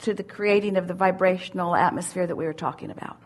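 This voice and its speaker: Emphatic woman teaching as "we". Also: on the low side. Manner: emphatic, drawn-out, speaks as "we". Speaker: spiritual speaker at a seminar. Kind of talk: channeled teaching in first person plural.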